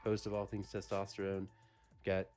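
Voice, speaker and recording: A man's voice: low voice, monotone, normal speed, darkish tone, soft background music. A man hosting a casual podcast chat, joking and rambling with many restarts. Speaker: podcast host.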